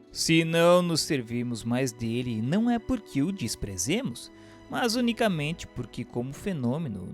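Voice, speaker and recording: A man giving a measured, solemn scripted reading of a religious book as narrator. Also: on the high side.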